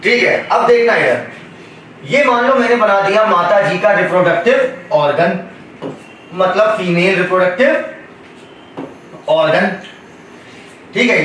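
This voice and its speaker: High-voiced man teaching in an echoey classroom. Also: fairly bright tone, far from the mic, slight background noise. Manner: calls students beta, asks questions for the class to answer. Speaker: biology teacher. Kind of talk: classroom lecture.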